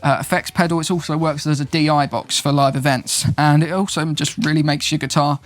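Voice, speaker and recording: A young man with a fairly high, steady voice talks briskly on his own YouTube channel, walking viewers through recording gear step by step in a casual, upbeat way. He works as a YouTube host, videographer and podcast producer.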